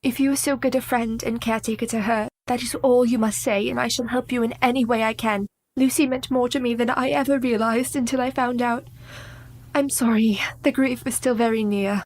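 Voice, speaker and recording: Capable young wife, devoted and formal, voiced by a woman, slightly high voice, radio play. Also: fairly even intonation, brisk, darkish tone. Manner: polite, earnest, formal speech.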